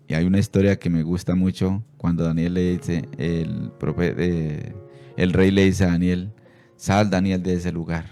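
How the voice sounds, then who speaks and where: Man preaching on christian radio, fired up, keeps saying brother and hallelujah, gets loud and high, soft music under him. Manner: fervent, repeats "hermano" and "aleluya". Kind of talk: radio sermon.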